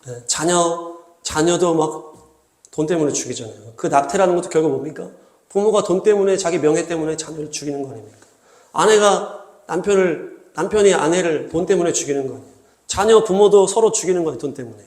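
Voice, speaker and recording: Man, pastor, earnest sermon, high voice, echoey church hall. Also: brisk, a little mellow. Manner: earnest preaching, acting out quoted voices.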